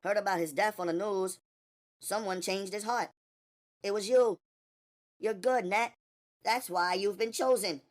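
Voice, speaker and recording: A man voicing a weary, knowing superhuman woman who speaks in measured, terse lines. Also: high-pitched, steady tone, voice pushed up. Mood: cryptic. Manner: measured, terse and matter-of-fact. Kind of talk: audiobook character voice.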